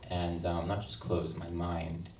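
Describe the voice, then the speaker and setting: An Australian author in his 30s gives a book launch talk in an event hall, his delivery low and flat, earnest and reflective, with frequent ums and a measured pace. The mic is at a distance, so the sound is roomy and far-off, with faint ambience and slight background noise.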